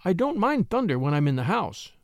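A man voicing a nervous, excitable refined lady in an audiobook adventure, given to breathy exclamations. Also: sits high, a little fast, no room sound, studio quality.

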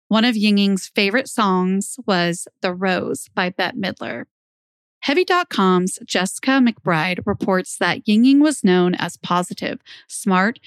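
A woman's voice: medium pitch, no echo. Woman narrating true crime, very dry sound. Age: young adult. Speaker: podcast host.

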